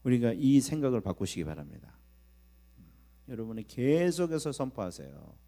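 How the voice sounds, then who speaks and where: A man's voice: medium pitch, sing-song, moderate pace, vocal fry, dark tone. A man preaching a sermon at a church prayer service, emphatic, often calling for amen and acting out inner voices. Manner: emphatic, repeatedly asking the congregation for amen; acts out quoted inner voices in first person. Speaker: pastor. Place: church sanctuary. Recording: mains hum behind the voice.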